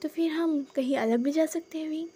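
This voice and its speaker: A woman's voice: high voice, brisk, dark tone, lightly acted. A woman voicing a bold young man who teases and dotes in an insistent, playful way. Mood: teasing.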